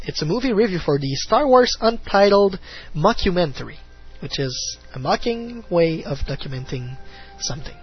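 A man with a high, animated voice talks at a moderate pace as he hosts a casual fan talk show, rambling with lots of fillers and restarts. The podcast audio is muffled and lo-fi, with faint music underneath.

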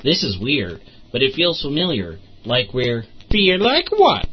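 A man's voice: medium pitch, wildly swooping pitch, unhurried, breathy edge, full character voice. A man voicing an impatient, folksy trooper sergeant who barks orders at his squad. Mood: gruff. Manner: folksy, bossy, exasperated. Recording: muffled lo-fi recording.

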